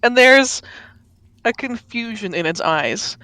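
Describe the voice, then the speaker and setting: Bright, slow-paced woman game master. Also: fairly high pitch, animated, no echo. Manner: drawn-out, descriptive, with casual asides. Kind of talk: narrating a tabletop game.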